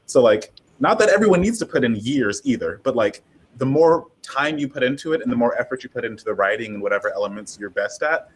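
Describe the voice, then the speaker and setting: Husky-voiced man talking things through. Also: medium pitch, expressive, fast. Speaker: audio drama creator and panelist. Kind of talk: casual panel discussion.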